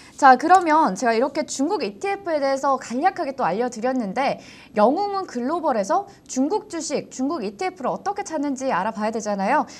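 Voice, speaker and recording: A woman with a high voice talks at a moderate pace, her pitch swinging very widely over noticeable background noise. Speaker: live stream finance host. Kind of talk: live stream market briefing. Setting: live online stream with chat.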